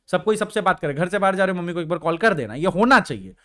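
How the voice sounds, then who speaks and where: A young man with a high, bright, forceful voice speaks fast and expressively in an exam revision lecture. He explains things casually, mixes Hindi and English, and puts questions to his students.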